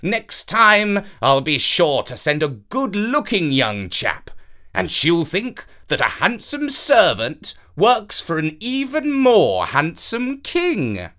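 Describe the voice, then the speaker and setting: A narrator voicing a vain, excitable fairytale king in a theatrical, self-satisfied manner. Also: medium pitch, slow, pitched above the performer's own voice, full character voice. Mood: scheming, enthusiastic.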